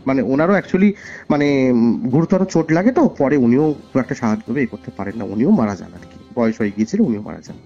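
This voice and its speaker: A man's voice: medium pitch, lively intonation, quick pace, mellow. A man with a West Bengal Bengali accent telling a personal story conversationally as a caller, earnestly repeating phrases for emphasis. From West Bengal, India. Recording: dull lo-fi call recording over music. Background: music.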